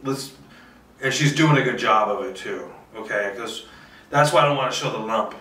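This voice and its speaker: A man doing a screenplay table read with casual asides, halting as he thinks aloud. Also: mid-range voice, pushed and bright. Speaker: script reader, filmmaker. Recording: roomy, distant microphone.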